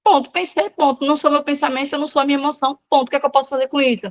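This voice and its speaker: A woman's voice: high voice, fairly even intonation, rapid-fire. A woman giving an informal devotional talk to women, speaking frankly and conversationally with everyday slang.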